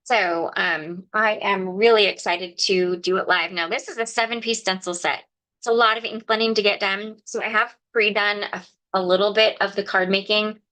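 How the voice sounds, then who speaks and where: The recording is rough, but her mid-range voice comes through steady, pushed and bright at a moderate pace. She's a crafting livestreamer demonstrating card-making live, chatty and explanatory, greeting viewers by name while a bit stuffed up with a cold.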